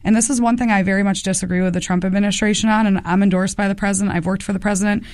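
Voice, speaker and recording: A woman's voice: medium pitch, fairly even intonation, rapid-fire, darkish tone, no echo, studio quality. A woman in her thirties, a congressional candidate, answering policy questions in a radio interview with assertive talk. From United States. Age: 30s.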